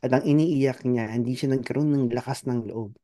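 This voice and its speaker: A man with a Filipino accent preaching a sermon and counseling from the pulpit, code-switching and acting out the voices of the people in his stories. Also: warm tone. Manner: switches between Tagalog and English, acts out quoted voices; dramatic swings in pitch and volume, slows down on key points.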